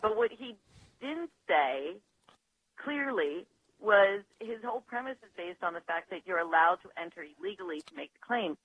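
A woman lawyer, a guest on a radio show, talking over the phone in a measured, analytical way with some hesitations. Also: medium pitch, animated, slightly rough, dry recording. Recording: dull phone line, dry.

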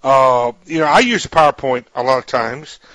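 A man hosting a radio interview, talking in a halting way with many restarts and emphatic asides to his listeners. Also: medium pitch, animated, fairly bright tone, no room sound, low-quality recording. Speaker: radio show host. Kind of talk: interview talk.

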